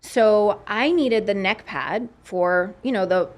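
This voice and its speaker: A woman's voice: medium pitch, takes it slowly. A woman who works as a fitness trainer, a guest on a podcast, talking enthusiastically in casual chat. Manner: enthusiastic, storytelling.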